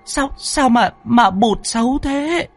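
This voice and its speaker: A man voicing a frightened old village grandmother in her sixties, shrill and sobbing. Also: slow pace, no echo, faint music behind. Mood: timid doubtful. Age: 60s.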